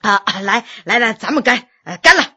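A woman voicing a quiet, modest middle-aged male official who speaks in a subdued way. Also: fairly high pitch, expressive, normal speed, breathy edge, no echo, studio quality, exaggerated voice. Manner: subdued and soft-spoken.

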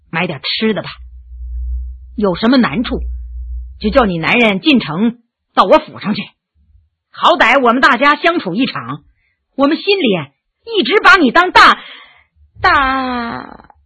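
A woman voicing a blunt, excitable but softhearted gentleman who exclaims and sighs a lot. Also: high voice, moderate pace, lo-fi sound, heavily acted. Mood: tender. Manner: impulsive, exclaiming, sighing.

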